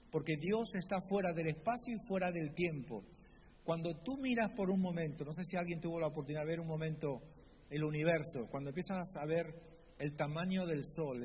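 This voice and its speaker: A man's voice: on the high side, darkish tone, a little hiss or hum. A man from preaching a sermon, emphatic and repeating key phrases as he quotes scripture with feeling. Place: church. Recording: reverberant church hall with faint ambience.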